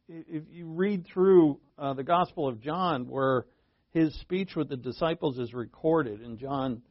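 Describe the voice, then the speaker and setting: A man teaching a Bible study in a relaxed, conversational way, with asides, fillers and verse readings. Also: fairly high pitch, dry recording, muffled recording.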